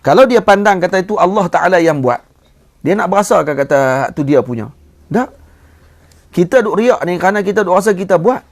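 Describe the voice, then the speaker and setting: Delivering a sermon in a Kedah Malay accent, this religious teacher's voice sits high. He stresses points with animation and chants classical Arabic text slowly.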